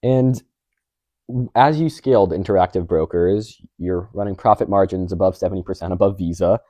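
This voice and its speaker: A man's voice: sits low, normal speed, dark tone, no echo. A man interviewing a business founder, asking long, wordy questions with plenty of setup.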